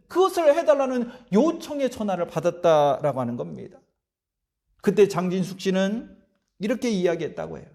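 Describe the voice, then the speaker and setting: A male pastor giving a sermon, telling a story earnestly and moving between loud emphasis and hushed drops. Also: extremely high pitch.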